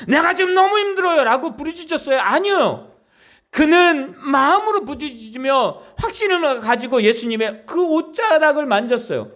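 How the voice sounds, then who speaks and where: High-voiced, lively male pastor preaching. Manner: emphatic, pleading, asks the congregation many rhetorical questions. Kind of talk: Sunday sermon. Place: church.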